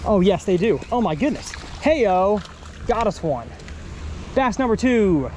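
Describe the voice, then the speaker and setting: By an outdoor pond, a man from Texas keeps up an upbeat, chatty commentary in his fishing vlog, thinking out loud while he fishes. He has a high, very animated, slightly mellow voice and an unhurried delivery. Faint ambient noise can be heard.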